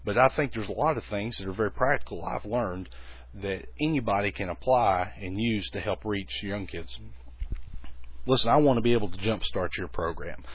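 A man's voice: moderate pace, husky. A man, giving a folksy, conversational teaching talk on children's ministry. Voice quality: bass voice. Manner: folksy, conversational, many restarts. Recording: tinny phone-like lo-fi recording.

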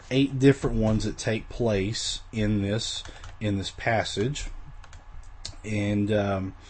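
A man with a lowish, husky voice teaching a recorded Bible lesson. He talks in a casual, rambling way, full of fillers and restarts. His voice sounds weak, as if he is getting over the flu. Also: a little mellow.

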